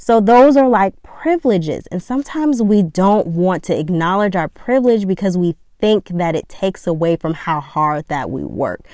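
A woman with a medium pitch and a dark, mellow tone talks at a moderate pace with hardly any pauses. Her intonation is lively, and the sound is dry and close with no echo. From Georgia, US South. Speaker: podcast host. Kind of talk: casual solo commentary.

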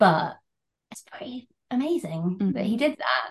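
The woman's voice is somewhat breathy. She speaks at a moderate pace. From England, Birmingham. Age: 30s. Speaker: business founder and mother. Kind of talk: casual interview chat.

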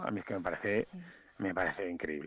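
The background is quiet as a man rattles through his words at a very fast pace. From Madrid, Spain. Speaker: DJ and DJ teacher. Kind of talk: radio interview.

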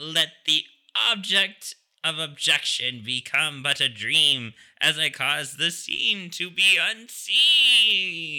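In a put-on character voice, the speaker projects loudly at a very slow pace with lively intonation. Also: man, fairly high pitch for a man.

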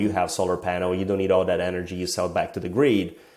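Monotone, flat intonation with audible room echo. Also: man. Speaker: Web3 consultant and speaker. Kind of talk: interview.

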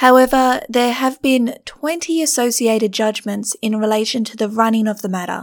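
With an Australian accent, a woman speaks at a moderate pace with ordinary pitch variation. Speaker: lawyer and legal podcast host. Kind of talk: scripted-style explanation of legal cases, solo podcast. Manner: apologetic, careful to avoid difficult words.

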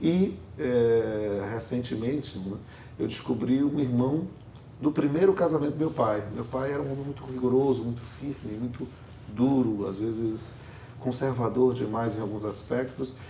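In a room with audible echo, a man speaks at a fairly slow pace and medium pitch with ordinary pitch variation. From Salvador, Bahia, Brazil. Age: 40s. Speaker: labor judge and law professor. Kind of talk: interview, life story.

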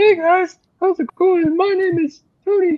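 A put-on character voice, squeaky and extremely high in pitch, at a fairly slow pace. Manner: mocking.

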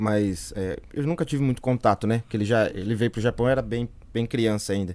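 This man, with an unremarkable speaking voice, keeps a medium pitch and ordinary pitch variation while moving at a moderate pace. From interior of São Paulo state, Brazil. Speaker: sertanejo singer. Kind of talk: interview.

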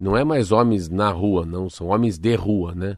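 A man with a very deep, low pitch speaks at a fairly slow pace with ordinary pitch variation. The recording is very clean, with a silent background. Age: 50s. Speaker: radio commentator. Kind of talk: casual on-air commentary. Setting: radio studio, simulcast on video.

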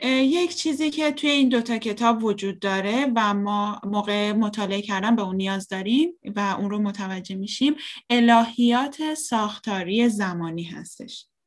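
Lively intonation carries a woman's fairly high voice. It sounds somewhat breathy. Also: moderate pace. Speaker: interpreter. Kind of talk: consecutive interpretation of bible class.

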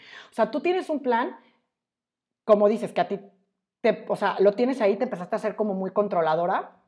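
With a northern Mexican accent, this speaker talks at a fairly quick pace in a dark, mellow tone, using lively intonation and long, frequent pauses. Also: woman, fairly high pitch for a woman. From northern Mexico (Monterrey, San Luis Potosí). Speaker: designer and social media creator. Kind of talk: casual chat.

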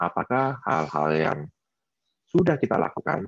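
Speaking at a moderate pace with lively intonation, a man with a very deep, low pitch sounds dry and close, with no echo. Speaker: Buddhist teacher giving a dharma talk. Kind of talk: sermon; Q&A answers.

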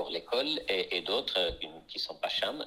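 Noticeable background noise sits behind a man speaking with a Moroccan accent. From Morocco, Fès. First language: Moroccan Arabic (speaking French). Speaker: poet and translator. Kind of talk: interview. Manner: halting, many repeated words.

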